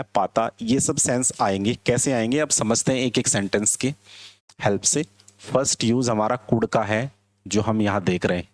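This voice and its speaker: A man teaches a classroom English lesson and speaks in an unhurried, measured way. He checks in with his students again and again. His voice sits close and dry, with almost no room sound. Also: medium pitch, no room sound. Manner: explains slowly, checks understanding with questions. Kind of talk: classroom lecture.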